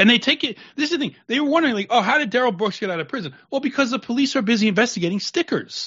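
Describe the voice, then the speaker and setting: A loud, animated man with an American accent, at an extremely high pitch, very fast with hardly any pauses and lively intonation. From New Jersey. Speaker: podcast host. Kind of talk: casual chat. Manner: loud and animated.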